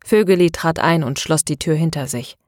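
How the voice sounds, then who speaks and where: A woman narrating a novel in a steady, measured reading. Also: deep voice, no echo, studio quality. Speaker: audiobook narrator. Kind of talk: scripted narration.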